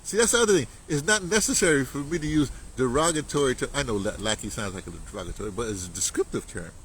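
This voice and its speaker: Man in his seventies, casual rambling monologue, lively swooping pitch, slang, faint noise behind. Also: quick pace, rough recording. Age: 70s. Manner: rambling, chuckling, uses black slang. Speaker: commentator.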